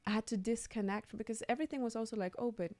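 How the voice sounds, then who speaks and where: A woman's voice: on the high side, very fast, a little mellow, no room sound. A woman from Denmark talking earnestly and reflectively as an interview guest, repeating phrases for emphasis and checking in with the listener. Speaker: radio guest, leadership and personal development coach. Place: radio studio.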